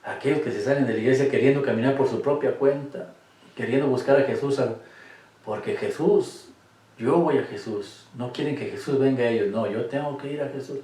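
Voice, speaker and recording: In a room with cameras, a man talks fairly quickly in a warm, mid-range voice as he runs a Catholic Bible study. He poses rhetorical questions emphatically, and the recording is echoey from a far-off mic.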